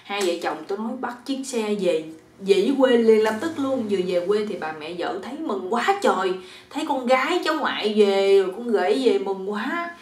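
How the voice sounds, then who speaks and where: A woman's voice: mid-range voice, lively intonation, normal speed, a little mellow, far from the mic. A woman with a Southern Vietnamese accent telling a folk tale casually, chatty, with asides to the listener. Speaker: storyteller. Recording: roomy echo.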